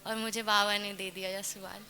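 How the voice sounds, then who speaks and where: A woman's voice: mid-range voice, flat delivery, brisk, sharp tone. A woman giving a personal testimony, earnestly and devoutly recounting the vows she made.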